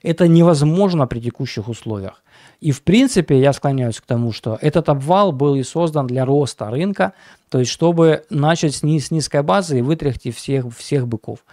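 A man hosting an informal financial market forecast, speaking haltingly and often restarting his words. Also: fairly high pitch, animated, warm tone, no echo, clean studio sound. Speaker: market analyst host of a weekly financial forecast.

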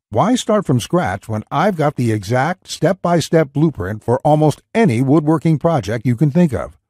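A man reading a scripted, pushy sales pitch as a voice-over. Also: mellow, dry recording, clean studio sound. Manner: pushy, urgent salesman delivery.

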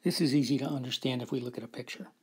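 A man's voice: mid-range voice, steady tone, very fast, darkish tone, husky. A man giving a recorded whiteboard lecture, explaining a math proof step by step and often checking in with "right?".

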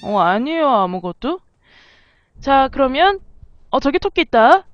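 In a dry, lo-fi recording, a female game streamer with a high-sitting voice and big pitch swings talks unhurriedly through a let's-play. She chats casually with the on-screen animals as she goes.

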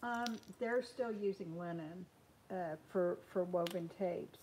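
A woman's voice: lowish voice, slow pace, a little mellow, a little hiss or hum, low-quality recording. A woman in her sixties chatting casually on a live stream while hand sewing at a table in a small sewing room, with frequent ums and restarts.

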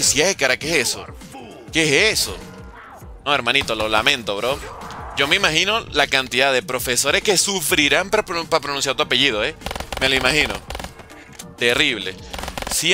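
A man talks through a live game session, teasing his viewers and riffing on their messages. His voice sits a little high and sounds very bright and sharp, with lively rises and falls. Soft music plays faintly behind him. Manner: chatty, teasing, animated. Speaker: game streamer. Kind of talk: casual live gameplay commentary, reading chat.

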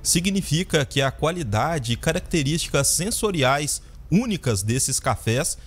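Man reading news in a formal, measured way. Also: a little high, expressive, breathy edge, faint music behind. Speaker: radio news presenter. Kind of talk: read news report. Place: radio studio. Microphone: studio mic on a boom.

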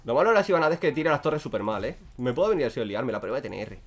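A man from Spain commentating his own gameplay, excitable and swearing freely as he talks to himself and his viewers. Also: mid-range voice, racing. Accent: Spain Spanish. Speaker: gaming streamer.

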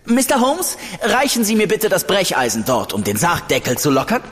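An actor playing a precise, learned doctor in an audio drama. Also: male voice, high-pitched, huge pitch swings, moderate pace, fairly bright tone, big-room sound, full character voice. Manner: precise, scholarly. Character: earnest, learned doctor examining corpses.

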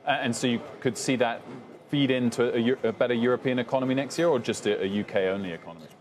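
A young male TV business anchor asking brisk, probing questions in an interview on a trading floor. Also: medium pitch. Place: trading floor TV studio, indoors.

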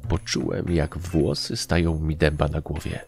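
A man reading an adventure story aloud as an audiobook narrator, telling it lively and raising his voice for the characters. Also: rumbling low, measured pace, creaky, soft background music.

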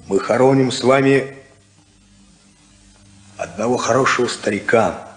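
An actor playing an older worker who gives a rousing funeral speech to a crowd, in an echoey 1950s radio play recording. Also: male voice, medium pitch. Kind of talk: 1950s radio drama acting.

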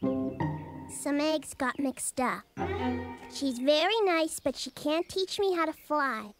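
A woman's voice: high-pitched, big pitch swings, slow, exaggerated voice. A woman voicing a naive, eager young duck in a children's cartoon, playful and wide-eyed. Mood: wistful. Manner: playful, wide-eyed, breaking into animal noises. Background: music.

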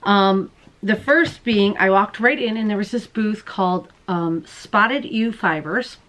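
A woman's voice: medium pitch, a little slow, fairly bright tone. A woman in her thirties hosting a yarn vlog, chatty and bubbly with frequent laughs. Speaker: yarn vlogger host. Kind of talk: casual chat. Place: busy yarn festival hall, then home studio. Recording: crowd noise at festival.

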